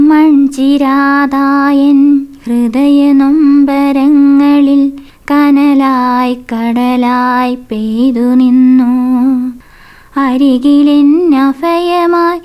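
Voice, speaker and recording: A woman reciting poetry in a melodic, chanting, drawn-out delivery. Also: sits high, darkish tone. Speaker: poet reciting own work. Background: music.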